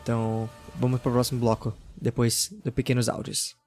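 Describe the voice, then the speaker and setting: A young Brazilian man hosting a gaming podcast, talking casually and with excitement, full of slang. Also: medium pitch, brisk, loud music behind the voice. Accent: Brazilian Portuguese. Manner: excited, slangy, gushing about games. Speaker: podcast host. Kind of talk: casual gaming podcast talk with on-site recordings.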